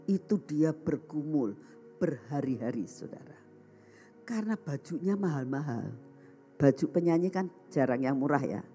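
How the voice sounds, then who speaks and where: A woman preacher delivers a sermon as a lively story, her pitch leaping up and down as she acts out the voices of the people in it. She keeps turning to address the congregation directly. Soft music plays faintly behind her. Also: measured pace. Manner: addresses the congregation as brothers and sisters. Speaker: evangelist preacher.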